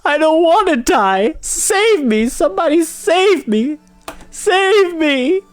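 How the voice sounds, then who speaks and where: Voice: very high voice, animated, slow pace, voice pushed up, exaggerated voice. A storyteller voicing a frightened, childish young male pig in a storybook, wailing and pleading. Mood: panicked.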